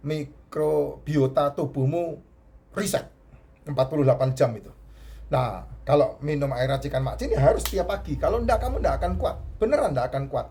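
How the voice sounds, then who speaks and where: A man's voice: a little high, vocal fry, darkish tone, slightly rough. A middle-aged man with a stuffy, nasal voice, giving health advice in a casual talk, often repeating himself. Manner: chatty, repeats points, restarts words.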